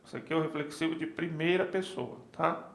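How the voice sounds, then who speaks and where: A man teaching Biblical Greek in a seminary class, slowly spelling out word forms and checking in with his students. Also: a little high, steady tone, creaky, fairly bright tone, reverberant. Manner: slow, spells out forms, frequent "tá?" and "ó". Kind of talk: classroom lecture. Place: church classroom.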